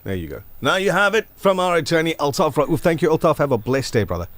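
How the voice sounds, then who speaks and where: A man hosts a live community radio breakfast show. He talks in a relaxed, chatty way, and his pitch moves around a lot as he reads out listener messages. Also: quick pace.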